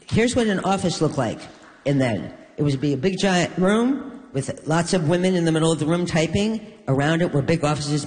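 An older woman from New York, a guest in an onstage conversation, telling stories with wry, deadpan humor. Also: low voice. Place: stage in a hall. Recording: long reverb of a large hall.

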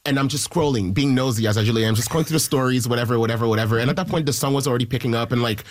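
A man from Haiti, a musician guest, telling stories in an excitable, animated way and jumping into high quoted voices. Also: very fast, no room sound. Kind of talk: casual interview storytelling.

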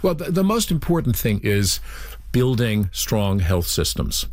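Male interview guest, low voice, earnest and explanatory, repeats words at sentence starts. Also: very animated, unhurried. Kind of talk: radio interview answers.

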